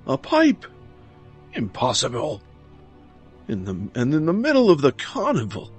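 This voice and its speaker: A man acts out a drunken Italian nobleman in a gothic tale. The voice rises high and loud, full of exclamation and insistence, proud as only a wine connoisseur can be. Music plays beneath it. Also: wildly swooping pitch, a little slow, husky, exaggerated voice. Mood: incredulous, excited. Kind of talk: dramatic gothic story reading.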